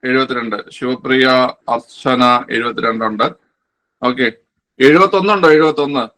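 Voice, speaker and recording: A man's voice: medium pitch, normal speed, fairly bright tone. A man teaching an exam-prep quiz class online, repeating each answer and asking himself questions before answering them.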